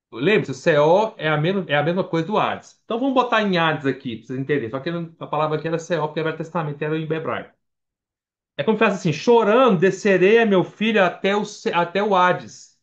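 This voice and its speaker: A Brazilian man preaching a Bible study at church, conversational, reading scripture aloud between casual remarks. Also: a little high. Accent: Brazilian Portuguese. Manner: conversational, reads scripture aloud, frequent fillers. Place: church meeting hall. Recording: dull lo-fi church recording.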